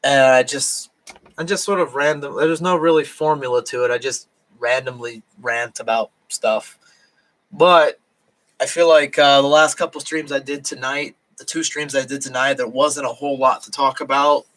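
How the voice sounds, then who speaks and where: A drunk man talking on a late-night live stream from home in Japan, rambling and halting, with lots of fillers and restarts and a voice that is starting to go hoarse. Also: mid-range voice, steady tone, a bit bright, rough recording. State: voice going hoarse.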